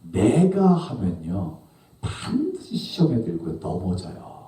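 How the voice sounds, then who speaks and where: A male pastor preaching a sermon, swinging between loud questions and hushed, low asides. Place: church sanctuary. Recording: echoey church hall from a distance.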